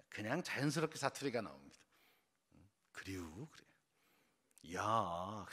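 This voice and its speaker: A man's voice: medium pitch, slightly rough. A man from Seoul preaching an early-morning sermon as pastor, quizzing the congregation. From Seoul, South Korea. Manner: engages the congregation with quiz questions. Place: church sanctuary. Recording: long reverb of a church sanctuary.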